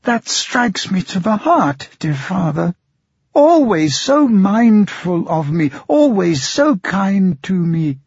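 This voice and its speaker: A man's voice: vocal fry, darkish tone, slightly rough, no room sound, full character voice. A man voicing a young blind girl who pleads earnestly through tears. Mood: earnest, tearful. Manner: trembling, pleading, high and slow. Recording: muffled, dry, lo-fi.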